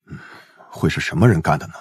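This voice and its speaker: A man's voice: extremely low pitch, animated, quick pace, breathy edge, no room sound, studio quality, exaggerated voice. A man playing a businesslike investigator in an audiobook drama. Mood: serious. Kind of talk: Mandarin audiobook drama acting.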